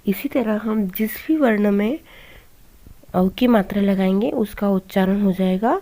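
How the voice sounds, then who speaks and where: A woman primary teacher giving a children's Hindi lesson, sounding out each syllable slowly and asking the class to repeat after her. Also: medium pitch, warm tone.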